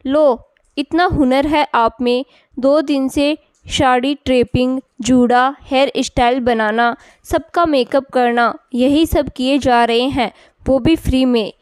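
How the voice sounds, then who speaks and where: A woman's voice: sits high, fairly even intonation, slow pace, smooth, dry recording. A woman voicing a spirited young unmarried cousin who coaxes and urges her older cousin. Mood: urging. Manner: coaxing, persuasive.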